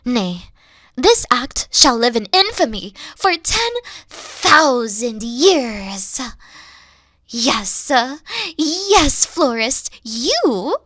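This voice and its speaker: High, animated, dorky evil queen. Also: extremely slow, dry recording, studio quality, heavily acted. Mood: grandiose, commanding. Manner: grandiose, pompous villain talk slipping into casual dorkiness. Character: dorky, theatrical evil queen, secretly sweet and needy. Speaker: voice actress in audio roleplay. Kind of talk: comedic character roleplay monologue.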